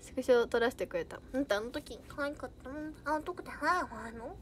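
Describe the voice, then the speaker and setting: Bubbly high-voiced young woman streamer. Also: animated, normal speed, a little hiss or hum. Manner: bubbly, giggly, chatty. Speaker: idol livestreamer. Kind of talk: casual livestream chat reading viewer comments.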